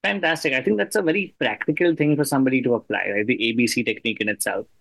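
A man's voice: medium pitch, very fast, creaky, a bit bright. A man with a mid-range voice hosts a conversational interview. He sums up points with enthusiasm and affirmation. The sound is dry, with no room echo. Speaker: podcast host. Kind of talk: conversational interview, summarizing advice.

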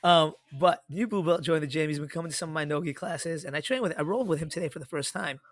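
A middle-aged man co-hosting a podcast, telling stories in a casual, animated way and acting out the dialogue he quotes. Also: fairly high pitch, fast, dry recording. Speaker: podcast co-host.

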